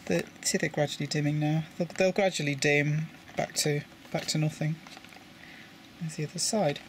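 A man's voice: fairly high pitch, fairly even intonation, moderate pace, slight background noise. A British man explaining his model railway coach lighting work in a casual tutorial, often repeating words as he handles the parts. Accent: British English. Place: indoors at a table with a model railway.

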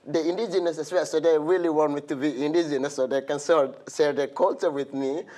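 Middle-aged man, studio interview guest, animated storyteller, slightly high voice. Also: brisk. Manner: animated storyteller who acts out quoted voices, laughs often. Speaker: guest, musician. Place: TV studio, indoors. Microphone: studio mic, seated interview.

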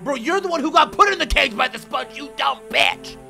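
A man's voice: very high voice, lively intonation, brisk, gravelly, pushed and bright, soft background music. A man in his thirties giving foul-mouthed, exclamatory, slangy comic commentary while playing a video game. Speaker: gaming streamer. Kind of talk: comic let's play commentary.

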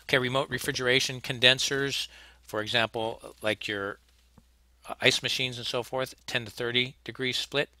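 Bright, dry-voiced trade instructor, a man. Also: mid-range voice, steady tone, normal speed, no room sound. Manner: plainspoken, practical, with frequent restarts. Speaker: HVAC instructor. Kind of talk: recorded slide lecture.

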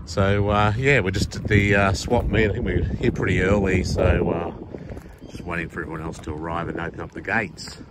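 A man's voice: low-pitched, steady tone, normal speed, heavy background noise. A man, hosting a casual car vlog and rambling with plenty of fillers, recorded on a phone in a car. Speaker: vlog host. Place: inside a parked car.

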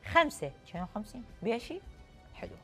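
Young female Iraqi-accented game show host, playful and effusive, high swooping voice, faint music behind. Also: big pitch swings, fast talker, a bit bright, husky. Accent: Iraqi Arabic. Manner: playful, effusive, repeating phrases in welcome and banter. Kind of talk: lively game show presenting. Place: TV studio.

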